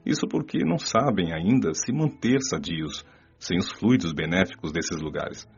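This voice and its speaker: A man playing a patient, wise male spirit mentor who explains things in a calm, preaching tone. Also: sits low, normal speed, highs cut off. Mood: explaining. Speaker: teacher figure. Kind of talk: radio drama acting.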